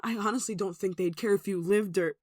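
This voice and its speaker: A performer with a mid-pitched voice playing an anxious, devout, caring villager in an earnest, hesitant ASMR roleplay. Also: fairly even intonation, fairly quick, no echo, clean studio sound, natural voice. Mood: alarmed, pleading. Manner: earnest, hesitant, soft sighing delivery. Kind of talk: ASMR roleplay audio drama.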